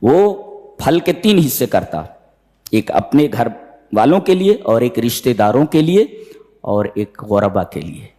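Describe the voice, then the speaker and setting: A man preaching on the Quran with a mid-pitched voice whose pitch swings widely as he tells a story. He slips into high, theatrical voices for the characters and chants the Arabic passages slowly. His voice rings out with a long reverb, as in a large hall. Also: big pitch swings, dark tone. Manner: recites Arabic verses in a slow chant. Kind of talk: sermon.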